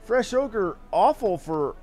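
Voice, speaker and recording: Man putting on a high, theatrical little game heroine. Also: sing-song, slow, a little mellow, soft background music, heavily acted. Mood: grateful, fussy. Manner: theatrical, effusive. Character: small excitable, dramatic young female helper. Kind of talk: reading game dialogue in character.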